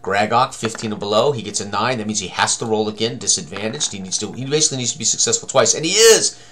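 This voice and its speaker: A man's voice: on the low side, expressive, fast talker, a bit bright, slight background noise. A man in his sixties giving a casual tabletop game tutorial, thinking aloud as he works through it. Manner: talks to himself, exclaims mildly.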